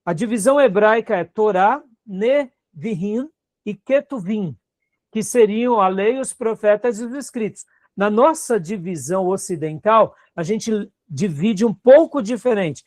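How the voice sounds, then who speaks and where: Brazilian pastor teaching a Bible class. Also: male voice, high voice, lively intonation, measured pace, a little mellow, no room sound, studio quality. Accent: Brazilian Portuguese. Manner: conversational, checks in with the class often.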